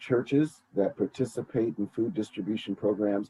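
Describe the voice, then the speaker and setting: Lively intonation runs through this man's speech. His tone is dark and mellow, and somewhat breathy. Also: dry, close sound with no echo. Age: 60s. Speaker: pastor. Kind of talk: video call interview.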